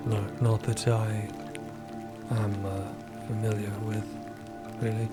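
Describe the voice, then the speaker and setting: An undead space explorer in an audio drama, low-voiced and formal. Every line is detached and deadpan, emptied of emotion. Loud music and rain play behind the voice. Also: male voice, slow. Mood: detached, flat. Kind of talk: dramatic audio fiction acting.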